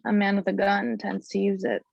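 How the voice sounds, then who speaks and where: A woman playing a serious, no-nonsense leader of a secret raid, brisk and commanding, at a screenplay table read. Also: mid-range voice, little pitch movement, vocal fry, darkish tone, dull audio. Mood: firm.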